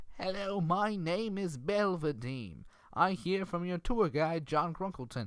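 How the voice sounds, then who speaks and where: Using a put-on character voice, a man speaks at a high pitch and a fairly slow pace on a very clean recording with a silent background. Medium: read story.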